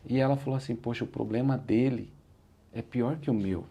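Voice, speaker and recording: A man's voice: medium pitch, a little fast, vocal fry, warm tone, husky, lo-fi sound. A man with a Brazilian Portuguese accent, an interview guest and motivational speaker, telling his story in an earnest, reflective way. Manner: earnest, repeats "said like this" when quoting himself.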